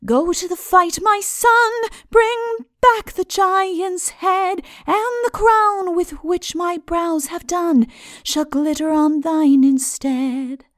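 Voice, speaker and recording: A solemn aged king from a storybook ballad , sung by a woman. The voice is very high and stately. Phrases come slow and drawn out in a chant, recorded dry. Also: no room sound. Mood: solemn, lofty.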